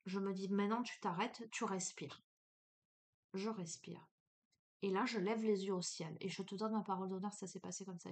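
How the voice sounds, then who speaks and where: Chatty woman telling a personal story. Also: medium pitch. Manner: chatty, animated, many fillers, addresses listener as tu. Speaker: spiritual guidance host.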